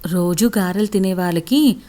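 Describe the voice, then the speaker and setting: A woman voicing a loving middle-aged mother who gently teases her husband. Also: fairly low pitch, moderate pace, close to an everyday voice. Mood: teasing. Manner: gently teasing.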